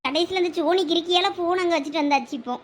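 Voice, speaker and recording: A woman's voice: very high-pitched, very fast. A woman with a Thoothukudi Tamil accent voicing a fretful college girl in a cartoon, exclaiming in panic and scolding her friend. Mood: panicked, scolding. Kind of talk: cartoon voice acting.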